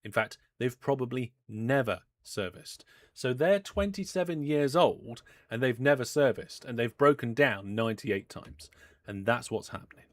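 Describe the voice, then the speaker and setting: A man's voice: mid-range voice, lively intonation, moderate pace, no room sound. A man hosting a live game stream, chatting through his play, reading out viewer messages and reacting with mock alarm. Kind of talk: live gameplay commentary. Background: background music.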